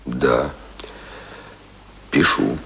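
Very deep, gravelly, ardent young dreamer. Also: male voice, steady tone, very slow, pushed and bright, exaggerated voice. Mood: earnest, determined. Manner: ardent, poetic, impulsive. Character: earnest, passionate young self-taught man who wants to write. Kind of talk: radio play acting.

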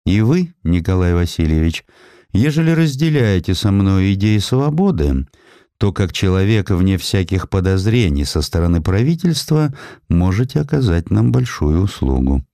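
A man's voice: low voice, big pitch swings, normal speed, warm tone, dry recording, studio quality. A man voicing a shrewd, persuasive young underground revolutionary in an audiobook, with a probing, purposeful manner.

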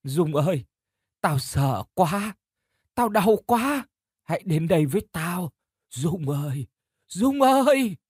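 A mournful young girl's ghost, put on by a man reading a horror audiobook, cries out in long, slow calls, her voice raised and husky. She sounds cold and terrified and pleads to be saved. The sound is close and dry. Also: sits high, very animated, a little mellow, dry recording, voice pushed up, heavily acted. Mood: mournful wailing. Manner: wailing, drawn-out calls. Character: crying drowned girl ghost, cold and frightened.

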